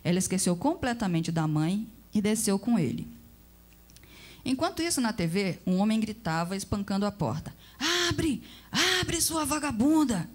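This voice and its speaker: Expressive female storyteller. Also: mid-range voice. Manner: expressive, measured narration. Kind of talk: reading a story aloud.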